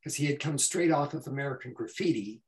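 A man's voice: medium pitch, quick pace. A man speaking as a guest on a video-call panel, making his points in casual, conversational discussion.

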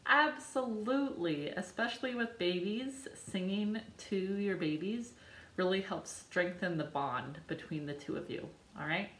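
A woman in her thirties, a children's librarian, singing a picture book for babies at home in a slow, bouncy sing-song with sound effects. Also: medium pitch, fairly bright tone, echoey room, poor audio. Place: living room with a couch and a decorated wall.

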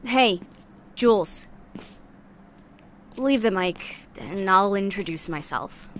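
A woman's voice: medium pitch, expressive, takes it slowly, a little hiss or hum. A woman playing a guarded, cynical young scrap scavenger in a sci-fi audio drama, talking bluntly and casually with sardonic bite. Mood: curt, irritated. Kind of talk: audio drama monologue, naturalistic.

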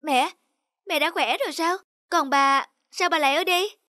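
A woman's voice: sits high, normal speed, sharp tone, no room sound, studio quality. A woman voicing a devoted young daughter in a cartoon, pleading and emotional, with music playing behind. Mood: earnest. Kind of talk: cartoon voice acting. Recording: background music under the voice.

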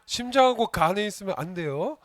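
Animated and fairly quick, this high-sitting male voice belongs to a junior pastor leading a playful children's sermon. He asks the kids questions and jokes with them throughout. There's no room sound.

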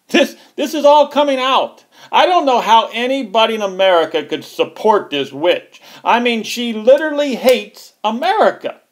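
Guy ranting on his politics channel, slightly high voice, repeats himself a lot. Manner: emphatic and repetitive, heated. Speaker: political commentary host.

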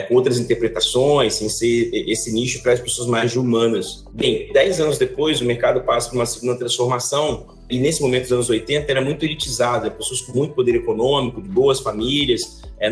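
This guest on a video-call interview is a finance educator in his forties from Salvador, Brazil, with a medium-pitched voice. He gestures animatedly with both hands while explaining, and his office with big windows gives the sound an echo.

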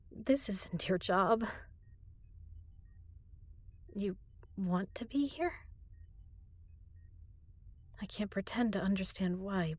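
A young woman performing an intimate audio drama as a frightened prisoner, speaking softly and often in a whisper. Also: medium pitch, no echo. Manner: soft, breathy, often whispered.

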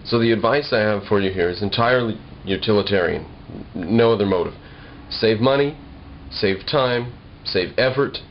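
A man's voice: on the low side, moderate pace. A young American man talking casually to the camera in a wry, slightly formal way, explaining things in a homemade vlog. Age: young adult. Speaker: video blogger. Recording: dull lo-fi home video with noise.

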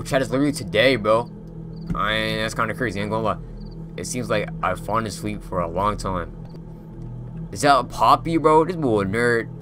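A young man with a fairly low speaking voice calls out a horror game as he plays, swearing freely and bursting into loud yelps. His casual streamer talk sits over music playing clearly underneath. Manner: profane, loud reactions, yelling at the game. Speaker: gaming YouTuber.

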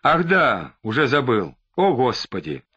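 A man's voice: mid-range voice, very animated, measured pace, bright, forceful tone, slightly rough, highs cut off, heavily acted. A man doing a sniveling, panicky suspect. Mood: fretful. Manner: sniveling and agitated. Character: whining, tearful, panicky middle-aged male suspect.

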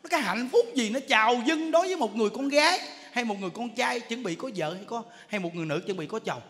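A man's voice: extremely high pitch, fast talker. A man, a Buddhist monk giving a humorous dharma talk, acting out little scenes as he tells them. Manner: animated storytelling, acts out quarrels, laughs often. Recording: long hall reverb, faint noise.

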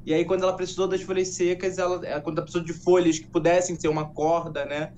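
A man telling a folk tale gently and unhurriedly as a guest in a studio interview. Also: on the high side, flat delivery, fast, slight background noise. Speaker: guest, educator and storyteller.

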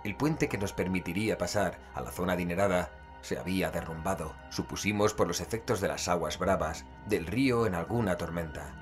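An actor playing a male investigator who narrates a horror audio drama in a grave, measured, literary way. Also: deep voice.

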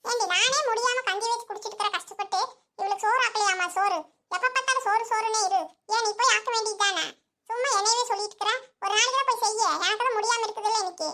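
A woman voicing a complaining old village mother-in-law in a cartoon, nagging and scolding her daughter-in-law. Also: fast talker. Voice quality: very high, bright cartoon voice. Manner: nagging, scolding, keeps calling the other "di". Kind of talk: village cartoon comedy acting.

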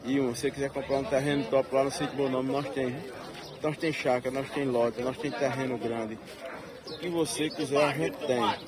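A man's voice: medium pitch, fairly even intonation, moderate pace. A man, hosting a casual vlog while walking a street market, chatty and drawn out as he quotes prices. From Northeast Brazil. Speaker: channel host filming a market. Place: busy outdoor street market. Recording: outdoor street market crowd noise. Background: crowd chatter and traffic.

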